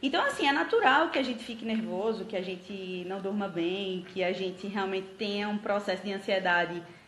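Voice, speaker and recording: A woman speaking with hardly any pauses, amid noticeable background noise and audible room echo. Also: medium pitch for a woman, ordinary pitch variation. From Brazil, Recife. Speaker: federal government lawyer. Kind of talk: casual chat. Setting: live video stream. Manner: fast.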